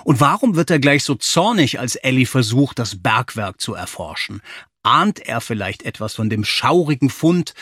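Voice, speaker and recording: A man hosting a podcast, speaking in an expressive, enthusiastic way as he chats and reads aloud. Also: mid-range voice, no echo, studio quality. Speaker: podcast host.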